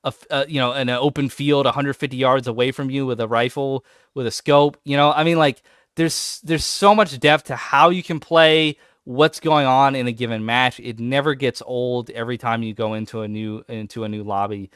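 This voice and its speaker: A man's voice: mid-range voice, normal speed, clean tone, no echo, clean studio sound. A man co-hosting a podcast in casual chat, talking with growing enthusiasm. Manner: enthusiastic, animated when excited. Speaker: podcast co-host.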